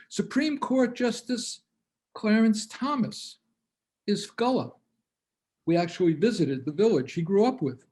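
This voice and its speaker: A man narrating a travel lecture over slides, in measured phrases that often start on a lift and settle down. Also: high-pitched, dark tone.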